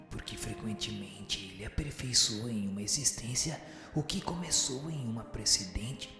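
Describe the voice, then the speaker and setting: A man with a Brazilian accent voicing a solemn, wise spirit who teaches in measured answers in a radio drama. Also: on the low side. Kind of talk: scripted radio drama dialogue. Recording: cavernous echo, long reverb, music underneath. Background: music.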